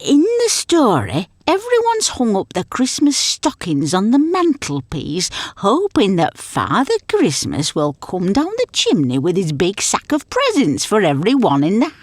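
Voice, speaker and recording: A woman's voice: medium pitch, wildly swooping pitch, unhurried, few pauses, no room sound, clean studio sound, voice pushed up. A woman voicing a kindly, patient but easily flustered old Yorkshire grandma in a comic story, fussily explaining and correcting herself. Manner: fussy, explanatory, self-correcting.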